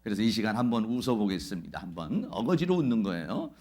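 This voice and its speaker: Male pastor, sermon, fervent proclaimer, animated up-and-down delivery. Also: lowish voice, fast, a little hiss or hum. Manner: fervent, proclaiming declarations, asks and answers his own questions. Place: church Sunday service.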